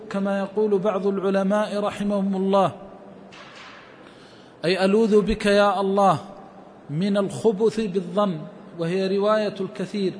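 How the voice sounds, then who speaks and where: A man explaining a religious text line by line in a measured scholarly lesson, quoting scholars and verse. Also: high voice, big-room sound, slight background noise. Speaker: Islamic scholar teaching a hadith text.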